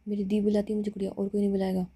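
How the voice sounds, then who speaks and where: A woman doing stubborn young SK, husky and soft. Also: medium pitch, monotone, racing. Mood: protesting.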